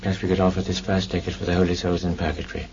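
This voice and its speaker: A man leads the Rosary in a solemn, measured recitation, chanting the prayers in a flat monotone. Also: low-pitched. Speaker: prayer leader. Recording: muffled lo-fi tape with clear noise.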